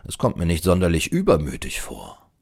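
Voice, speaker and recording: Storybook traveller read by a man: sceptical, polite male outsider, low pitch, measured questioning delivery. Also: wildly swooping pitch, creaky, darkish tone, slightly rough, heavily acted. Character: puzzled, sceptical, courteous male traveller, upright stranger.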